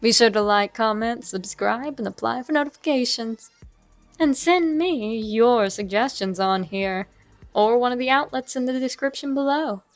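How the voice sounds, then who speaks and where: A woman reading a classic horror tale aloud in a slow, measured, darkly dramatic way. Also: a little high. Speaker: horror story narrator. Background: faint music.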